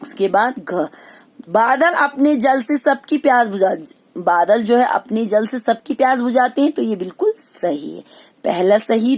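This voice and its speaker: A woman teacher explaining a children's poem and its exercises, often repeating phrases and pausing to restate them simply. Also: fairly high pitch, a little mellow. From Ladakh, India. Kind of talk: online class lesson.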